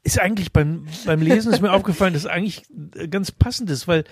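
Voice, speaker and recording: A man's voice: high voice, fast, slightly rough, no echo. Man reading with dry self-mockery. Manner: dry, self-mocking storytelling. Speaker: podcast co-host. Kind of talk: reading his own humorous column, then casual chat.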